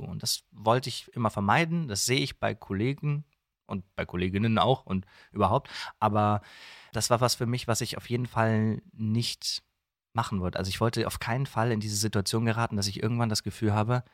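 Low, gravelly man in a dry recording. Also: a little fast, no room sound. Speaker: guest, voice actor and dubbing director. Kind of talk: conversational interview, explaining his work.

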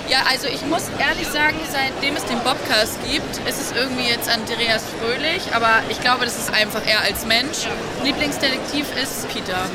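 A female fan with a high voice, giving a casual vox pop. Loud music and a busy crowd surround her voice. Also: moderate pace.

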